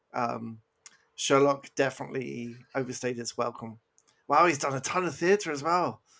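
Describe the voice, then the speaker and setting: This man has a British accent and a medium-pitched voice with a bright, sharp tone. He talks at a moderate pace with ordinary pitch variation. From Britain. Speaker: podcast co-host. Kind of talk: casual chat, movie review podcast. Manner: dry, sarcastic humor.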